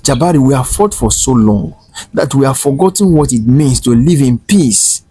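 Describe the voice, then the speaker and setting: A man voicing a wise old tribal elder in a folktale, gentle yet firm as he counsels. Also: medium pitch, lively intonation, moderate pace, slightly rough, voice pushed up. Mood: solemn appeal. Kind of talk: dramatic folktale character voice. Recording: roomy echo over faint music.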